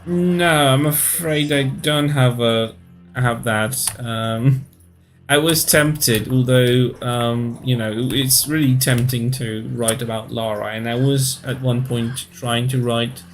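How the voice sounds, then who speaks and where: A Polish man in his thirties speaks accented English in a casual live-stream chat, often pausing to search for words. His mid-range voice has fairly even intonation, with soft music playing in the background.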